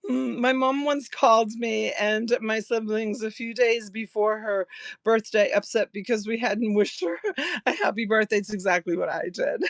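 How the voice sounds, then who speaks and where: A woman's voice: on the high side, a little slow, gravelly, dry recording. Woman in her 60s doing a live jewelry sale, chatty and giggly, dry close sound. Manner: chatty, laughs often, warm to viewers by name. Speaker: live-stream jewelry seller. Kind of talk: casual live-selling chat.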